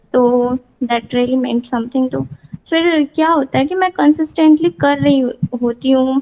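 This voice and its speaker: Lively intonation in a woman's high voice. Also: dry, close sound with no echo. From Nepal. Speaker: exam aspirant seeking mentorship. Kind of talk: mentorship call.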